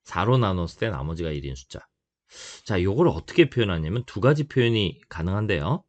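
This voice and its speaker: Middle-aged male math teacher, lower voice with a very animated delivery, repeats himself and checks in with the class. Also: fairly quick. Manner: lively, repeats key phrases, checks in with students. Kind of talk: whiteboard math lecture.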